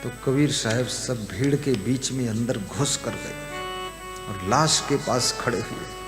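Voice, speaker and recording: Slow-paced storytelling male preacher. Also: medium pitch. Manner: storytelling, chuckling, chants couplets. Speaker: spiritual preacher. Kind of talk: devotional sermon with storytelling. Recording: roomy hall with music behind.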